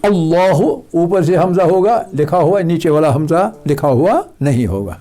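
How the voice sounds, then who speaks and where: A man's voice: fairly high pitch, lively intonation, mellow. A man teaching Quran pronunciation, patiently repeating example words and drilling his students.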